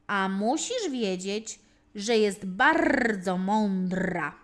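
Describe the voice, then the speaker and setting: A woman voicing a chatty, helpful talking crow in a children's fairy tale, with cawing, drawn-out, emphatic speech. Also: medium pitch, expressive, pitched below the performer's own voice. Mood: eager, chatty.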